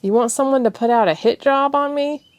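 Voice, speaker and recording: A woman voicing a guarded young man who speaks softly and cautiously, sometimes in a hush. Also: high voice, fairly quick, dry recording, muffled recording, voice pushed up, lightly acted. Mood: reassuring. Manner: soft, cautious, hushed. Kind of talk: audiobook character voice.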